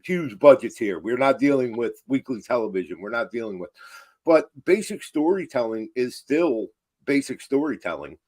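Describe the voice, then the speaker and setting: Man, co-host, mid-pitched, casual commentary, wry, argumentative. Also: expressive, normal speed, a little mellow. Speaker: show co-host.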